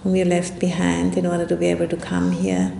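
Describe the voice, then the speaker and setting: A woman giving a guided meditation talk as a meditation teacher, speaking in an unhurried, reflective way with long pauses. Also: level tone, creaky, warm tone. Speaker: Buddhist nun and meditation teacher. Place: indoor room at a retreat center. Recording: roomy echo, faint rumbling background noise.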